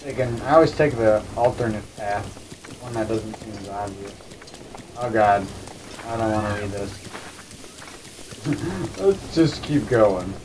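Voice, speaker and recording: A man's voice: fairly low pitch, animated, measured pace, pauses often. A man giving casual let's-play commentary, rambling and muttering to himself as he plays. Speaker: gaming host. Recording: distant mic, clear background noise.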